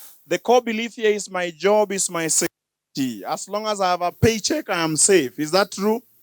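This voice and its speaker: An animated man with a Kenyan accent speaks at a high pitch, the sound dry and close with no echo. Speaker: preacher. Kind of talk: sermon.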